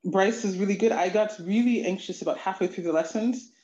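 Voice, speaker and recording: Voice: medium pitch, a little fast, darkish tone. An adult language student answering interview questions in a reflective, earnest way. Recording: echoey, muffled lo-fi audio.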